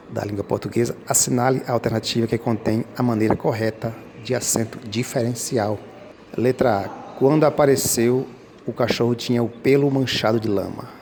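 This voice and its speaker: A teacher commenting on exam questions walks viewers through Portuguese grammar rules step by step, patiently repeating the key points and addressing them directly. His mid-range voice has a darkish tone, with a little hiss or hum underneath.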